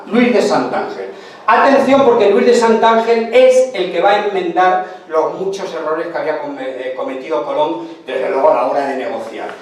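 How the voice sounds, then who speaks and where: Theatrical man lecturing in an echoing hall. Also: high-pitched. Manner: theatrical storytelling. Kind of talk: lively history lecture. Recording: echoey hall from far off.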